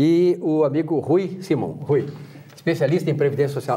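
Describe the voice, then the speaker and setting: This man uses a normal speaking voice with a fairly high pitch. He talks at a moderate pace with ordinary pitch variation. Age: 60s. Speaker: TV economics show host. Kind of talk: studio interview. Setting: studio.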